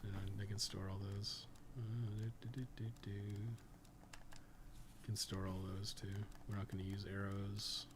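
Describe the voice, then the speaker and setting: Background noise accompanies a man whose voice sits on the low side, level in tone and unhurried. He's a game streamer and podcast co-host giving casual, rambling play-by-play that's blunt, slangy and peppered with swearing.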